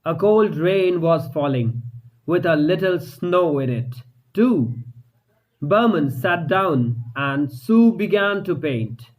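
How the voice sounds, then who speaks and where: Slow, measured male story reader. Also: on the high side, expressive, poor audio. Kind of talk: scripted narration.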